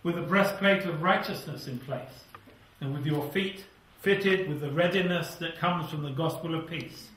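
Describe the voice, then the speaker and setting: Older British male preacher, fervent, drops to a hush at phrase ends; distant, very reverberant hall. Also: on the high side, normal speed, few pauses. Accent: British English. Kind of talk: sermon with scripture reading. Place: small church hall with seated congregation. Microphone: lapel mic. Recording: echoey hall, somewhat far from mic.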